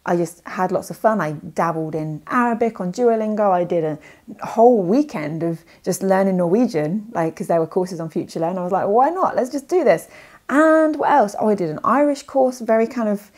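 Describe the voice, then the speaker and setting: A woman's voice: medium pitch, lively intonation, moderate pace, a little mellow. A young woman chatting to camera in a casual vlog, rambling with lots of fillers and self-corrections. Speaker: language learning vlogger. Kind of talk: casual talking-head vlog.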